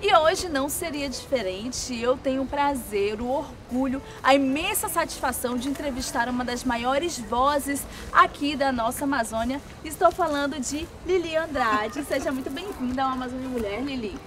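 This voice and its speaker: Young female host, high bright delivery, lapel mic outdoors, clear music bed. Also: moderate pace, few pauses. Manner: bright, polished presenter delivery. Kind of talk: TV presenter intro and interview. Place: outdoors in a forest park. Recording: background music underneath.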